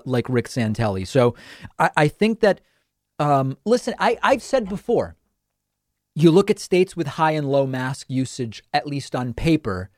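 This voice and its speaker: A man's voice: medium pitch, darkish tone, no room sound, clean studio sound. A man hosting a political talk show, giving scornful, argumentative commentary.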